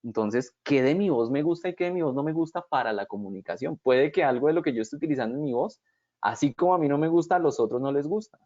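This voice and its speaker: A man's voice: on the high side, lively intonation, fast talker, a little mellow. A man giving a didactic lecture as a communication trainer, often checking in with his audience through rhetorical questions. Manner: explanatory, checks in with frequent rhetorical "¿sí?" and "¿cierto?". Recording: dull, dry lo-fi recording.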